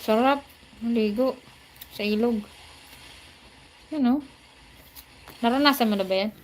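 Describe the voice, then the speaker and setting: Woman, Filipino accent, slightly high voice, casual livestream chat, reads comments aloud, faint dish clatter behind. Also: a little slow, a little hiss or hum, rough recording. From Bicol, Philippines. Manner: chatty, reads viewer comments aloud and answers them. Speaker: livestream vlogger.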